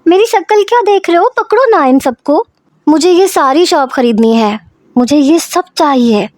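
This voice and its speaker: A woman voicing a frightened, childlike young woman who talks in a high, pleading, childish way. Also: expressive, darkish tone, no echo, studio quality. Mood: excited.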